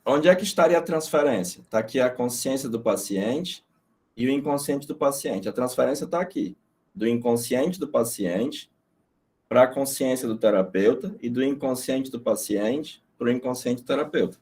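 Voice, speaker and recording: A man's voice: medium pitch, normal speed. A middle-aged man from Brazil teaching an informal online class, telling casual, profane stories. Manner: animated storytelling, casual and profane.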